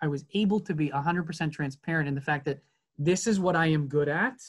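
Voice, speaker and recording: A man talks at a fairly quick pace with an American accent. His pitch varies in an ordinary way against a quiet background. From Pittsburgh. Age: 30s. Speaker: nonprofit executive director. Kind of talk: casual interview. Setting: video call. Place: home room. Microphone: video call.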